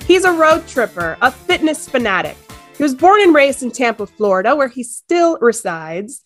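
Faint music plays behind this Ecuadorian-born woman in her thirties as she hosts a podcast. Her high voice swings widely in pitch at a normal speed, and she keeps the casual chat bubbly and chatty, laughing easily.

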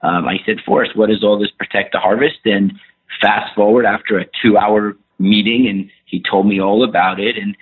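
A man's voice: fairly low pitch, steady tone, normal speed, husky. A middle-aged man from Iran, a film producer and actor, chatting in a rambling, enthusiastic way as an interview guest. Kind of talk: casual interview talk. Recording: tinny phone line.

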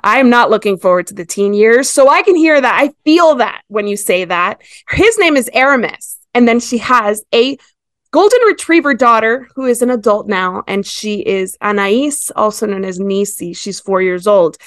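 A woman's voice: mid-range voice, expressive, normal speed, dry recording. A woman in her thirties from Ecuador, hosting a pet podcast in a chatty, enthusiastic way. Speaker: podcast host. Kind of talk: casual chat.

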